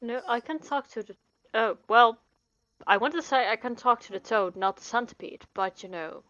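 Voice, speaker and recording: A woman's voice: on the high side, normal speed, a bit bright, no room sound. A woman chatting casually as a player in a tabletop roleplaying game, on a lo-fi recording. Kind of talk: casual chat. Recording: slightly dull, lo-fi sound.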